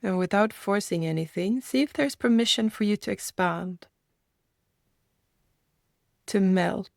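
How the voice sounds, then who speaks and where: A woman's voice: medium pitch, vocal fry, no echo. Woman guiding meditation, close dry sound. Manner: gentle, unhurried phrasing with soft invitations and reflective pauses. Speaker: meditation guide. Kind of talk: guided meditation, gentle instruction.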